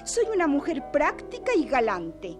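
A woman's voice: high voice, wildly swooping pitch, unhurried, exaggerated voice. An actress playing Margarita, a nosy, teasing young woman who mocks the others playfully, with music underneath.

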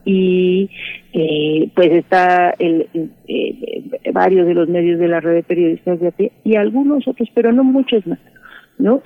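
Speaking in a fairly low, gravelly voice, a Mexican-accented woman who works as a journalist and once taught school responds to a radio interviewer. She falters, hunts for her words, and starts over often, heard over a tinny phone line with no room sound.

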